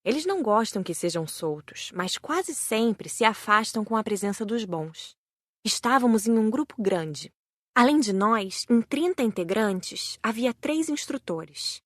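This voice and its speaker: A woman's voice: on the high side, animated, unhurried, no room sound, studio quality. A woman with a Brazilian accent reading a scripted first-person audiobook narration.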